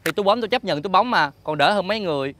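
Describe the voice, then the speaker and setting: A man's voice: high voice, expressive, rapid-fire, fairly bright tone. A man playing a sassy gay lô tô singer with a Southern Vietnamese accent, taunting his rivals in a comic sketch.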